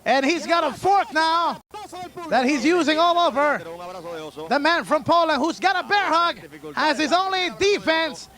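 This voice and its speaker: A man calling a wrestling match play-by-play as a lucha libre announcer, with an excitable manner. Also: very high voice, unhurried.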